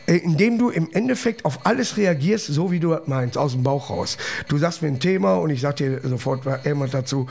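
A man's voice: a little high, lively intonation, brisk, vocal fry, hardly any pauses, a little mellow. A man, a comedian hosting a casual chat who rambles and jokes at his own expense. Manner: rambling, jokey, self-mocking. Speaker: podcast host and comedian.

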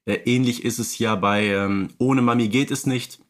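A man's voice: medium pitch, fairly even intonation, moderate pace. Hesitant man co-hosting a fan podcast. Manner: hesitant, searches for words and corrects himself. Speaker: podcast co-host. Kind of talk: casual fan podcast discussion.

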